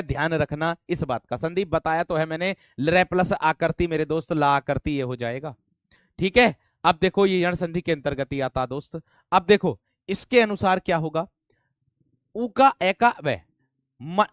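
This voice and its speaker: A man's voice: a little high, clear, resonant tone, no echo, studio quality. Teacher man calling students "my brave one". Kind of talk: online class lesson.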